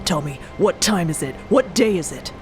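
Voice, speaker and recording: A woman's voice: lowish voice, animated, normal speed, over music, close to an everyday voice. A woman voicing an intense, frantic guild chamberlain in a fantasy audio drama, urgent and demanding. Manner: urgent, demanding, slightly unhinged.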